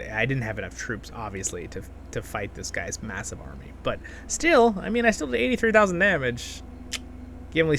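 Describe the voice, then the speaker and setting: A man hosting a gaming video with casual, excitable commentary, talking half to himself and half to his viewers. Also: mid-range voice, creaky, a little hiss or hum. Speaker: gaming channel host. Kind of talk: casual gameplay commentary, with expressive story reading.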